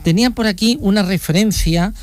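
A man's voice: high-pitched, fairly quick. A man giving a live regional report, joking and rambling with fillers. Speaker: regional correspondent.

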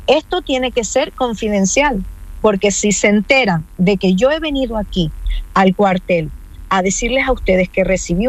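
A woman's voice: mid-range voice, dry recording, low-quality recording. A woman in an interview telling her own story, earnest and insistent, repeating key points. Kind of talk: emotional personal account.

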